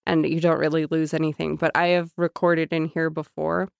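A woman co-hosting a casual podcast, with a quiet, mumbly voice and teasing, deadpan jokes. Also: deep voice, fairly quick, gravelly, smooth, dry recording, clean studio sound. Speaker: podcast co-host. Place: studio, not the usual one. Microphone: studio microphone.

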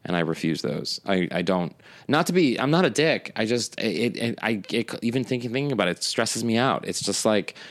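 Brisk and expressive, a fairly low-voiced comedian from St. Louis talks as a podcast guest in a loose, casual chat. He's blunt and profane, wanders from point to point, and frequently cuts himself off partway through sentences.

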